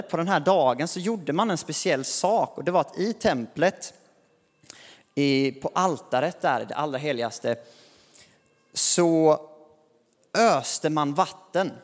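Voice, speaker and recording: A man preaching a sermon, earnest and lively, raising his voice as he calls out scripture. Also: fairly high pitch. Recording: long hall reverb.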